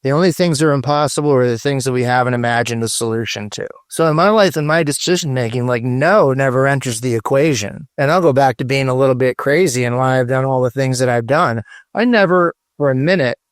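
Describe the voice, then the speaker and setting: Smooth-voiced, fired-up middle-aged man. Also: medium pitch, fast, dry recording, clean studio sound. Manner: emphatic, profane, fired-up motivational talk. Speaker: guest, branding strategist. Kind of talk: casual podcast interview.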